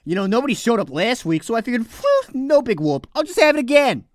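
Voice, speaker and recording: A man's voice: extremely high pitch, sing-song, quick pace, dry recording, clean studio sound. A young man voicing a brash, cocky, mouthy young mercenary in a video game character impression. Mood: eager, boastful.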